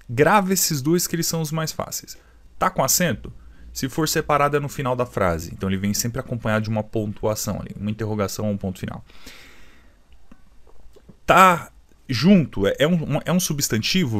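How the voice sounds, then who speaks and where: Brazilian man teaching a video lesson. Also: medium pitch. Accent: Brazilian Portuguese. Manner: explanatory, repeats rules, asks the viewer questions.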